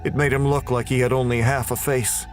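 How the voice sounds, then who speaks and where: A man's voice: mid-range voice, little pitch movement, fairly quick, soft background music. A man performing scripted, dramatic first-person narration for a horror audio drama.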